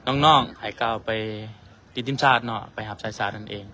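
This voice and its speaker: A man with a Lao accent hosting a livestream, formally thanking sponsors and officials in a measured way. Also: mid-range voice, steady tone, bright, forceful tone. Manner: formal and measured, full of tag particles. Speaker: livestream host.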